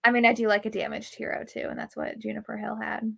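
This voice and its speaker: A woman's voice: on the high side, level tone, fast, gravelly, sharp tone, breathy edge. A woman hosting a live book chat, giving candid, opinionated reviews in a casual way. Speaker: book reviewer and livestream host. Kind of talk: casual chat about books on a live show.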